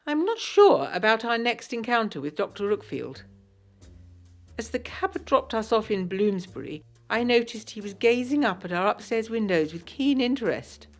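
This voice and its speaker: A woman's voice: fairly high pitch, sing-song, moderate pace, soft background music. A woman playing a genteel, proper yet adventurous 1920s Englishwoman, reading a letter in an audio drama with refined, formal, old-fashioned phrasing. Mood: uneasy.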